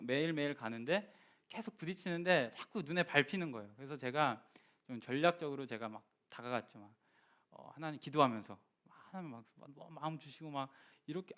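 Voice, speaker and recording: A young man in his twenties preaching a sermon, telling a personal story in an animated, conversational way and addressing the congregation directly. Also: a little high. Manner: animated storytelling, voice rising and dropping for emphasis.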